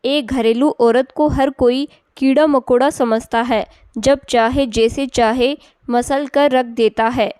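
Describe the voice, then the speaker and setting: A woman's voice: high voice, steady tone, takes it slowly, darkish tone, clear, resonant tone, dry recording, clean studio sound. Woman voicing a bitter, unhappy young wife. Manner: complaining, resentful.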